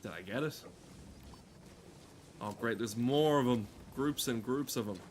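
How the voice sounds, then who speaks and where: A man's voice: medium pitch, unhurried. A man streaming a game with casual, rambling commentary, sardonic and given to swearing.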